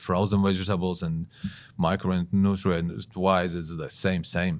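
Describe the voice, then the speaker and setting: A man talks with very deep, low pitch and monotone, flat intonation. The recording is very clean, with a silent background. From Latvia. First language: Latvian. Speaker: personal trainer. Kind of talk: casual interview chat.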